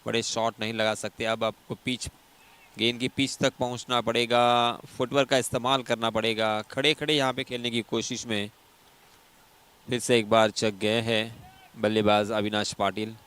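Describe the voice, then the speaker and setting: Clear-voiced Indian man commentating live cricket. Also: mid-range voice, little pitch movement, normal speed, a bit bright.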